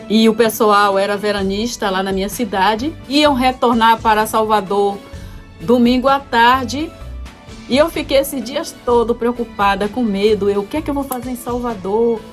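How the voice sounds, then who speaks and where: A woman from Bahia with a Bahian accent, telling her own life story in a reflective, emotional vlog. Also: fairly high pitch. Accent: Bahian Portuguese. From Bahia, Brazil. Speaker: vlogger. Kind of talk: personal storytelling.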